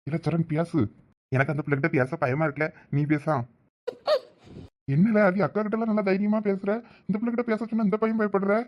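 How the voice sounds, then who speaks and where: A man with a Thoothukudi Tamil accent acting in a village comedy sketch, with fast, pleading, joking banter. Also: high-pitched, steady tone, dull audio. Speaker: comedy skit actor.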